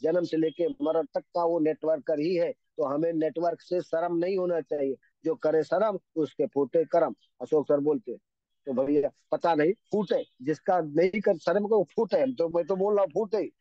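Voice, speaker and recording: A man's voice: on the high side, mellow, no room sound. A man giving a motivational seminar speech at a direct-selling event. He repeats key phrases over and over and drops in couplets and sayings. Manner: says he talks fast. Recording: slightly muffled, dry lo-fi sound.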